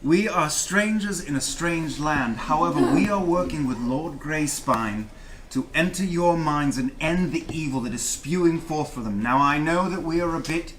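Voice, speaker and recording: A man's voice: on the high side, normal speed, background noise. A man playing a tabletop game, pleading his party's case in character in a rambling, earnest, joking way.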